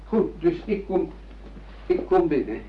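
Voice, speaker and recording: A man's voice: high voice, big pitch swings, a little slow, breathy edge, exaggerated voice. An actor playing a baffled, grumbling father in a radio drama, querulous and hesitant. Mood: reluctant, confused. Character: baffled, grumbling father coaxed by his family. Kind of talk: naturalistic radio drama acting. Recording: dull radio-play recording, faint noise.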